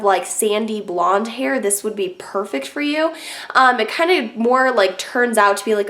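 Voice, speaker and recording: This beauty vlogger is a young woman whose cold leaves her sounding stuffy and congested. She chats casually through a product review, full of filler words and frank opinions, in a medium-pitched, fairly bright voice.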